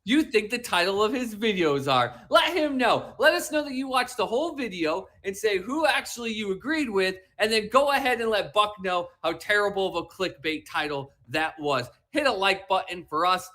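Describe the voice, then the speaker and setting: A man's voice: high voice, animated, normal speed, hardly any pauses, pushed and bright. A man co-hosting a sports talk show, lecturing emphatically and repeating his points, with a whiny, slightly mushy voice. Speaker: podcast co-host. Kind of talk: animated sports talk rant.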